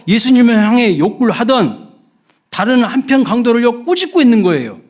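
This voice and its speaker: Male pastor, middle-aged, sermon delivery; higher voice with lively, wide-ranging pitch. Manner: emphatic preaching, rising loud when acting out the thief.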